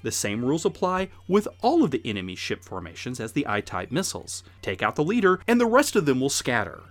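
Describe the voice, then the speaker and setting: A man with a mid-pitched voice presents scripted explanatory narration about games. His intonation swings widely, landing emphatically on key words in measured phrases. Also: wildly swooping pitch. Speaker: retro game show narrator.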